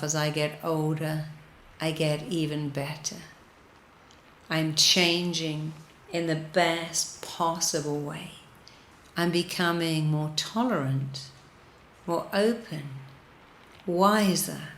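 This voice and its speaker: A woman with a low voice leads a guided meditation. She speaks very slowly and soothingly, leaving pauses between repeated, deliberate instructions. The sound is roomy and reverberant. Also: a bit bright, slight background noise. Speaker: guided meditation leader, hypnotherapist.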